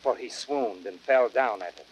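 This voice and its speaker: An actor playing a sour, blunt, scornful Roman cynic with dry, sardonic classical stage delivery. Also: male voice, medium pitch, moderate pace, husky, close to an everyday voice. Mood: mocking, disdainful. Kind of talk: classical Shakespearean radio drama acting. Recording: noisy vintage spoken-word drama record.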